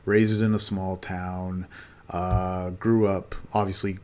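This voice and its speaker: A man's voice: deep voice, level tone, darkish tone. A Canadian man in his thirties hosting a solo podcast, rambling loosely with casual swearing. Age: 30s. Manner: loose, halting, many fillers and restarts, casual swearing. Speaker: podcast host.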